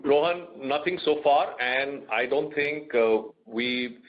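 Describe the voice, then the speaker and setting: A man with an Indian accent answering questions as a bank executive on an earnings call, in a measured, explanatory way. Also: mid-range voice. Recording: muffled conference call audio.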